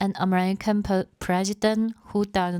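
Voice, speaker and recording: Recorded very cleanly with a silent background and a dry, close sound with no echo, a woman with a Chinese accent speaks at a medium pitch in a monotone, flat intonation. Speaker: channel host reading news article. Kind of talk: reading aloud. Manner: halting, with self-corrections and fillers.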